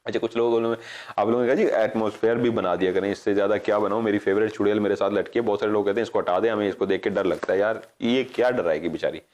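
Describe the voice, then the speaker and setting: Guy, kinda low voice, chatty ghost story host, does all the voices, wanders off track. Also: rapid-fire. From Pakistan. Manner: animated, acts out quoted dialogue, digresses and corrects himself. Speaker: paranormal show host telling a story. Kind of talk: casual storytelling.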